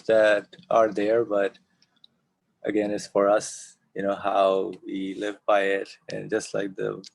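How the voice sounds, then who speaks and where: A man's voice: fairly low pitch, creaky, low-quality recording. A man moderating an informal religious study discussion over a video call.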